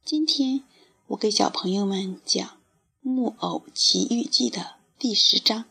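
A woman reading a storybook aloud to children in a gentle, expressive way. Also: mid-range voice, unhurried, vocal fry, breathy edge.

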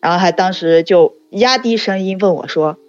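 A woman casually telling a childhood story, acting out the dialogue in quick bursts. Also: on the low side, no room sound, muffled recording.

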